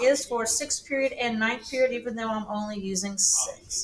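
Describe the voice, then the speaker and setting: With noticeable background noise behind her, a woman talks at a moderate pace, her high voice showing ordinary pitch variation. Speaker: computer science teacher. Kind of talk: tutorial.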